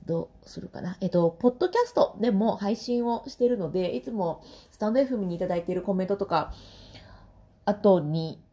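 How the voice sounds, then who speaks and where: A woman's voice: mid-range voice, a little fast, warm tone. A woman in her thirties with a Kansai accent, hosting a casual solo podcast and laughing often between phrases. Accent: Kansai Japanese. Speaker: podcast host and vocal trainer.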